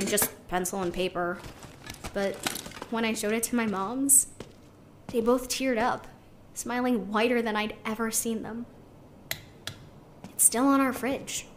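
A woman's voice: on the high side, normal speed, long pauses, a little hiss or hum, close to an everyday voice. A woman playing a spirited, idealistic young artist musing conversationally into a recorder in an audio drama. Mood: fond, reflective. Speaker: actor in a sci-fi audio drama. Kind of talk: audio drama monologue, naturalistic.

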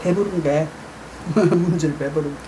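A mukbang host chatting casually to viewers with a mouth full of food, mumbling slowly between bites. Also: medium pitch, background noise. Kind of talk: casual eating broadcast.

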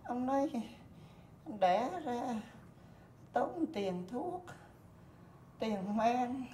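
A frail old wife in a stage comedy sketch, whining and complaining. Her voice sits fairly high. The recording is roomy, with clear noise behind. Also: very animated, extremely slow, dark tone, full character voice. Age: older. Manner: plaintive, complaining.

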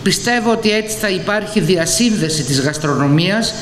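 A woman's voice: mid-range voice, animated. Older female speaker, careful formal reading, roomy hall sound. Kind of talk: formal read speech. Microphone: podium microphone. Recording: echoey hall, faint noise.

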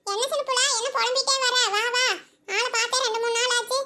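A woman's voice: extremely high pitch, flat delivery, fast talker, pushed and bright. A woman voicing chatty village women in a cartoon, fussing, gossiping and scolding. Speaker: cartoon character.

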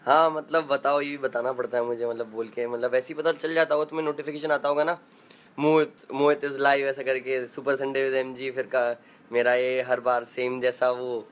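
A man's voice: medium pitch, flat delivery, normal speed. A young man hosting a casual live stream from his room at home, chatting playfully and greeting viewers by name as he reads their comments aloud.

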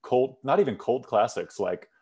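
A man's voice: medium pitch, lively intonation, normal speed, a little mellow, husky. A young man hosting an interview on a video call from his bedroom, asking rambling, thoughtful questions with lots of "like". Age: young adult. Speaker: host. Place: bedroom at home, indoors. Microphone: headset on a video call.

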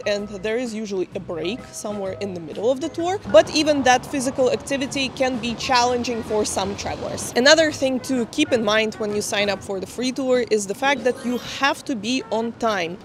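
A young woman tour guide in her twenties, briskly explaining to the camera on a city street with a handheld mic. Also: fairly high pitch. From Czech Republic. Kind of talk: vlog talking to camera. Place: cobbled city street outdoors.

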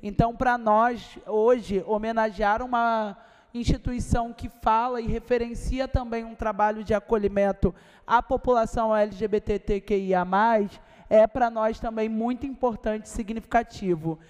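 A woman's voice: fairly high pitch, fairly even intonation, moderate pace, a little mellow, clear, resonant tone. A woman, presenting formally as host of a ceremony. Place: large wood-panelled legislative chamber, indoors. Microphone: gooseneck desk microphone. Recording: echoey hall with long reverb.

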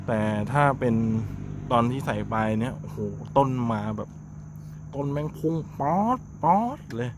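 A man filming a casual vlog by the roadside at night, chatty and exclaiming often as he talks through what he sees. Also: mid-range voice. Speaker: motorcycle vlogger. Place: roadside at night beside traffic. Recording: noisy roadside camera audio. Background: passing cars and engine noise.

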